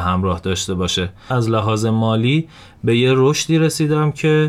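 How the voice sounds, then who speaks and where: With an ordinary speaking voice, a man talks at medium pitch and a fairly slow pace. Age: 30s. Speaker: civil engineer sharing his life story. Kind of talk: personal life story interview.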